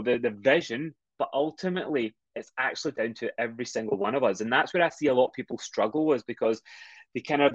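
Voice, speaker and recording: A middle-aged man with a Scottish accent, a mindset coach speaking as a guest on a podcast, talking quickly and energetically as he explains. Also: medium pitch, dry recording, muffled recording. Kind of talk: podcast interview.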